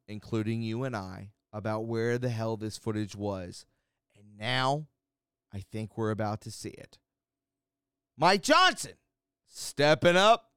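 A man's voice: mid-range voice, smooth, no room sound, clean studio sound. A man hosting a casual live-stream show, loose and rambling, reading news aloud. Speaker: host.

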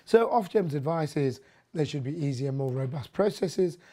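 A podcast host with a husky, hoarse voice, half gone, talking through energy news casually, rambling with lots of fillers and opinionated asides. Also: mid-range voice, animated, normal speed, warm tone. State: hoarse, losing voice.

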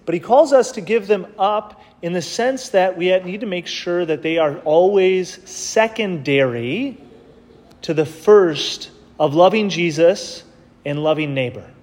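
A man's voice: sits high, expressive, unhurried, a little mellow. A man serving as priest, reading the gospel and then preaching a homily in a plain, conversational way, heard in a church with a cathedral echo. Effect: cathedral echo, long church reverb. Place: large church. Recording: long reverb of a big church.

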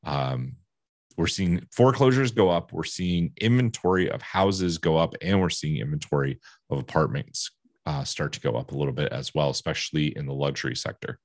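A man's voice: a bass voice, moderate pace, no room sound, studio quality. A man hosting a podcast, asking questions and commenting on market conditions in a casual conversation. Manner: inquisitive, prompts the guest with questions. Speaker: podcast host.

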